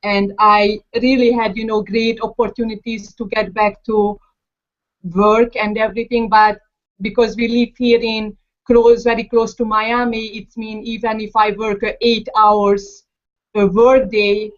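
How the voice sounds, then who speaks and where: A woman's voice: a little high, level tone, a little slow. A woman from Hungary with a Hungarian accent introduces herself on a video call, hesitant and full of fillers. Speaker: guest mother. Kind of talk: casual call self-introduction. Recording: lo-fi call audio.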